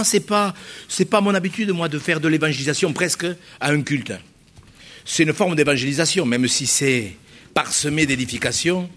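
A man's voice: a little high, a bit bright. A middle-aged man, a pastor preaching a sermon at a church service, emphatic and repetitive, full of rhetorical questions.

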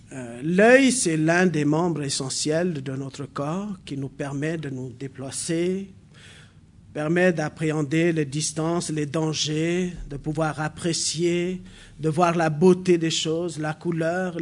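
A man from New Caledonia whose first language is a local New Caledonian language, preaching a sermon in a church hall, halting with fillers, then building to emphatic preaching. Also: on the high side.

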